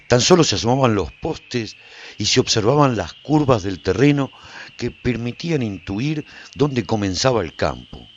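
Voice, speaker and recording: A man playing a solitary, reflective survivor who recounts his travels in measured, theatrical radio drama narration. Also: on the low side, highs cut off. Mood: reflective, recounting. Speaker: narrator and lead actor of a radio serial.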